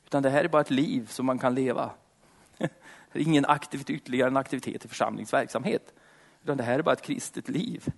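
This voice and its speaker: A man's voice: mid-range voice, gravelly. A man preaching, moving from fervent prayer that repeats "Lord" between phrases into a casual, slangy sermon full of fillers.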